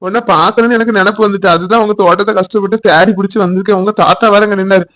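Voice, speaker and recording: A man plays a young village lover in a cartoon, speaking with a Tirunelveli Tamil accent. He reassures her in a fairly high voice at a very fast pace, and the sound is dry and close. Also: steady tone, a bit bright, no echo, lo-fi sound. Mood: reassuring. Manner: reassuring, coaxing.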